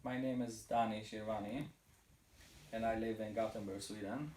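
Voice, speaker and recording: Flat-voiced man. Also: on the low side, moderate pace. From Iraq. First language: Kurdish. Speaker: interviewee, phone repair shop owner. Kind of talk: casual interview. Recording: echoey room, distant mic.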